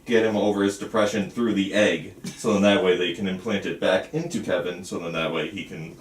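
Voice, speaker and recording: Male filmmaker, low voice, casual table-read delivery, stage directions, roomy distant recording, faint noise. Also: steady tone, a little fast.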